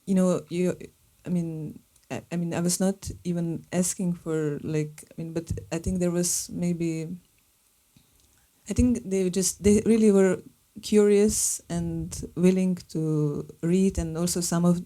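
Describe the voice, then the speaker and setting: A woman's voice: fairly low pitch, steady tone, a little slow, dark tone. A woman from Slovenia, a filmmaker speaking thoughtfully in a live panel conversation and searching for her words. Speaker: filmmaker and artist guest.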